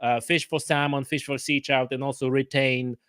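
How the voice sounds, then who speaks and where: A man from Poland with a Polish accent, explaining things haltingly as a guest in a casual interview. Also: medium pitch, little pitch movement, fairly bright tone, smooth, dry recording, studio quality. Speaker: podcast guest.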